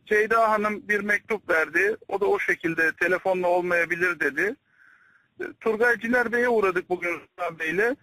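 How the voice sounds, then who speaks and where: A man's voice: high-pitched, moderate pace, bright, forceful tone, dry recording. A man speaking formally and respectfully, reporting with deference over a landline phone. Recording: tapped landline phone call.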